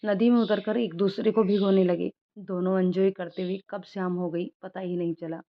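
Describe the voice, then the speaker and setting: A woman narrating an animated moral story in a plain, steady storytelling voice. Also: medium pitch, normal speed. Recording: dull lo-fi recording.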